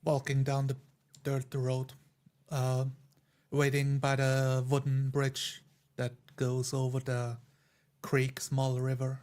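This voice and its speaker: A man with a mid-pitched voice takes part in a tabletop roleplaying game. He speaks slowly with flat intonation, switching between his character's dialogue and first-person description of his actions.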